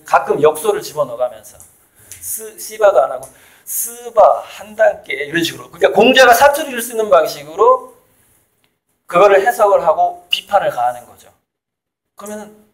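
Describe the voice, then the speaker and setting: A man's voice: high voice, fairly bright tone. A man from South Jeolla talking in a casual, emphatic way as an interviewee, making his points with laughs in between. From South Jeolla, Korea. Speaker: artist and author, interviewee. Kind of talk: casual conversational lecture.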